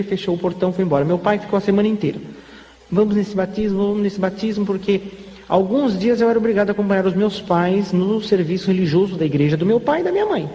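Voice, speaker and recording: A man with a Brazilian Portuguese accent tells his conversion testimony in a high, mellow voice, acting out dialogue with a wry edge. The sound is dull and carries a long hall reverb over faint background noise. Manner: animated storytelling full of quoted dialogue, wry. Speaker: church testimony speaker.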